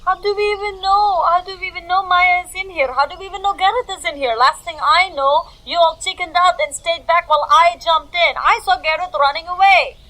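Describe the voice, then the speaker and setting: A woman's voice: very high-pitched, fairly even intonation, a little fast, few pauses, bright, forceful tone, rough recording. A woman roleplaying in character in a tabletop game, speaking in an indignant, sassy way. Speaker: player in a tabletop roleplaying podcast.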